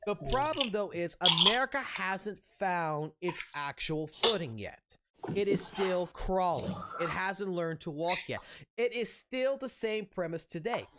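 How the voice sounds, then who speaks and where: A man in his thirties rants into his stream mic, swearing constantly and circling back over his points. His pitch swings widely as he gets worked up. A faint hiss sits under the voice. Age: 30s. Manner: profane, heated, rambling with restarts. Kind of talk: ranting open discussion.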